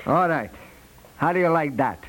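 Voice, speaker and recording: A seasoned house painter, stubborn and fed up. His fairly high voice swings widely as he complains bluntly in rough grammar, on a vintage radio comedy. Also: expressive, moderate pace, fairly bright tone, poor audio. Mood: grudging. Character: exasperated, stubborn veteran male house painter. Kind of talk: 1950s radio comedy acting. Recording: vintage 1950s radio recording.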